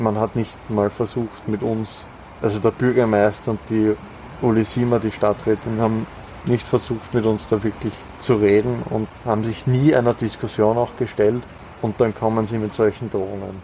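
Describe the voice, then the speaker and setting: A man speaks at a moderate pace in a monotone, flat intonation. There is noticeable background noise. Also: medium pitch for a man. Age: 20s. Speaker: student climate activist. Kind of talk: interview. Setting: food tent at outdoor protest camp, face mask.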